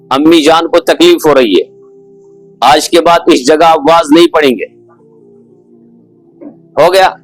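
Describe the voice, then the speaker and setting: A man's voice: a little high, poor audio. A man preaching as a Muslim cleric, explaining rulings in a didactic way with repetition and rhetorical questions. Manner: didactic, repeats phrases and asks rhetorical questions. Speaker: Muslim cleric (mufti) giving religious instruction. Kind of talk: sermon, explaining religious rulings with stories.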